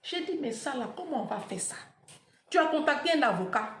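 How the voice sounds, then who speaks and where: A woman's voice: sits high, big pitch swings, brisk, echoey room. A woman vlogger speaking straight to her followers, retelling a painful story with dramatic flair and acting out the dialogue.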